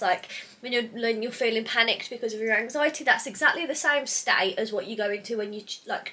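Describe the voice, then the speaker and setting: A woman's voice: on the high side, sharp tone, slightly rough. A young woman vlogging in a casual, rambling chat to the camera, sounding a little stuffy from a cold. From United Kingdom. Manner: chatty and rambling, sidetracks mid-thought. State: congested from hay fever or a cold.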